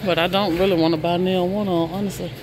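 A woman's voice: lowish voice, fairly even intonation, fast talker. A woman vlogging while she shops in a large warehouse store, chatting to viewers and exclaiming over prices. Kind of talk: casual shop-with-me narration. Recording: noisy store background. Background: store noise.

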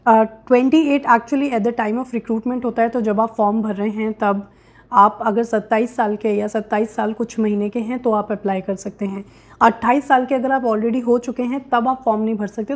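A woman's voice: a little high, steady tone, moderate pace. A young adult woman, hosting a career guidance explainer and addressing viewers directly as she mixes in English terms. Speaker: host of career guidance videos. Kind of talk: explainer to camera, mixing Hindi with English terms. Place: small indoor room with curtains, seated.

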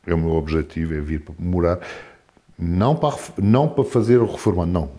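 A man in his forties, a guest in a casual interview, talking in a rambling, animated way with many restarts. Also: low-pitched, fast talker. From France. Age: 40s.

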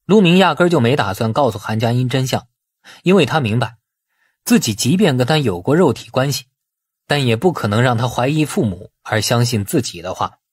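A man reading a novel as dramatic scripted narration, in a husky voice. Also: mid-range voice, lively intonation, brisk, no room sound. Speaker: audiobook narrator.

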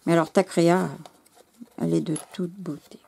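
A French woman who runs a scrapbooking channel chats casually and gushingly to the camera, halting and losing her words as her voice turns hoarse. Her voice is lowish and dark, her delivery flat, with slight background noise.

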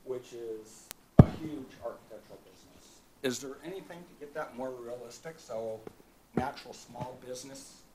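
A man's voice: medium pitch, animated, moderate pace, heavy background noise. Chuckling audience man asking questions. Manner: chuckling, self-deprecating. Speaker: audience member, architect.

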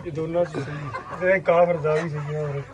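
A man speaks casually in a fairly high voice. He sounds like a farmhand chatting during work, caught on someone else's phone. Clucking birds and shed noise are clearly heard around him. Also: fairly even intonation, normal speed. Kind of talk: casual off-the-cuff chat. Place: open-sided poultry shed. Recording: noisy farm, loud clucking birds. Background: clucking chickens, farm ambience.

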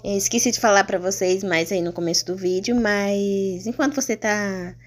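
A woman's voice: mid-range voice, moderate pace. Chatty Brazilian woman sharing a recipe. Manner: chatty, informal, often checking in with listeners. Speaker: home cooking vlogger. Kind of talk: casual recipe narration.

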